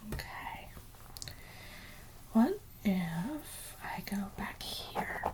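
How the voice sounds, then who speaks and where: Someone is whispering at a very slow pace, with long, frequent pauses and noticeable background noise. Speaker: ASMR creator. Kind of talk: ASMR role-play, soft-spoken scalp scratching. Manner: soft-spoken.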